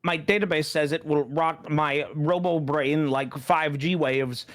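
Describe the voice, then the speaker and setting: A performer voicing a small, naive, earnest green robot in an improvised comedy game fandub, childlike, polite and halting. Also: mid-range voice, fairly even intonation, close to an everyday voice. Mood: timid, earnest.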